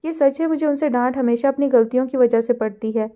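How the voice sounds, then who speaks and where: A woman's voice: high-pitched, mellow, natural voice. Woman reading as an earnest young heroine.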